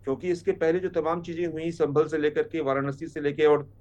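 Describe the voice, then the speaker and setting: Higher-voiced man giving formal political analysis. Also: flat delivery, a little fast, a little mellow, highs cut off. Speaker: panel guest commentator. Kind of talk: measured political analysis in a TV debate.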